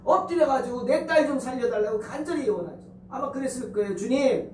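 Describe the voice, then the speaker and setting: A man's voice: very high voice, fast talker, a little mellow, slight background noise. A male pastor preaching a fervent sermon in a church sanctuary, asking the congregation one rhetorical question after another. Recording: echoey church hall, distant mic.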